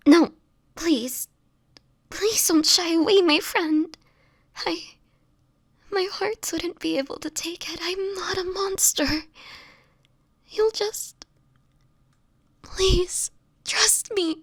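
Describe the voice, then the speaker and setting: Woman acting, sickly female vampire, gentle, pleading, whispery and breathy, halting slow pace, dry close audio roleplay monologue. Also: extremely high pitch, no echo, full character voice. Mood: pleading, tearful. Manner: halting, hesitant, fragile delivery.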